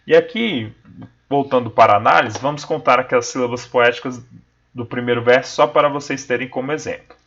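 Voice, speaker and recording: A man gives a recorded literature lesson at a middle pitch, explaining each point and checking in with his viewers often. The recording is a little muffled and lo-fi. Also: fairly quick, fairly bright tone, slight background noise. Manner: explanatory, addresses viewers as "gente", frequent "né?" and "tá bom?". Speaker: literature teacher. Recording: slightly dull lo-fi sound.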